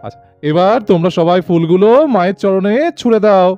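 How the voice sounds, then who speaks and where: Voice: mid-range voice, steady tone, fairly quick, mellow, lo-fi sound, faint music behind, natural voice. A performer voicing a solemn Hindu priest in a children's cartoon, formal and polite while chanting and instructing. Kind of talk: ritual chanting and cartoon dialogue.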